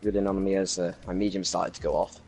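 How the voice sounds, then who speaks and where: A Welsh man with a low, flat voice runs loosely through his race, with plenty of ums and restarts. He talks casually into a home microphone, and faint music plays underneath. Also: quick pace. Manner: rambling race recap with many fillers. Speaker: racing league driver. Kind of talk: casual post-race chat. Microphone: new home microphone.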